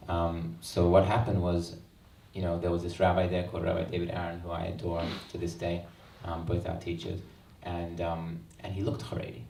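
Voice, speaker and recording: Australian man, 30s, low and flat delivery, earnest and reflective; far-off roomy hall recording with faint ambience. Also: moderate pace, vocal fry, hardly any pauses, slight background noise. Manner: earnest, reflective, frequent ums. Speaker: author. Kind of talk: book launch talk. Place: event hall. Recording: roomy hall sound, mic at a distance.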